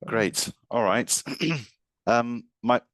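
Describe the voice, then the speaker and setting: A university lecturer, a man, presenting his research over a video call, a bit hoarse from being unwell and repeating words as he thinks. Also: mid-range voice, fairly even intonation, very slow, a bit bright, no room sound. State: slightly hoarse from illness. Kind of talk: academic presentation.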